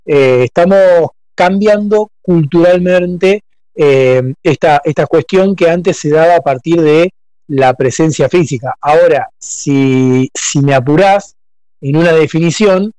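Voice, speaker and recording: A man's voice: fairly high pitch, slow, warm tone, clear, resonant tone, dry recording, poor audio. A man in a cultural discussion, speaking thoughtfully with frequent hesitations. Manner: thoughtful, hesitant, uses voseo.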